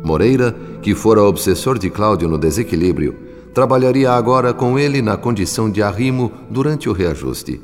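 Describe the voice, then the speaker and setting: Radio drama narrator: formal, solemn storyteller, deep register, reverberant with soft music behind. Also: male voice, expressive, normal speed. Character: solemn male spirit narrator. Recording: long reverb, music underneath.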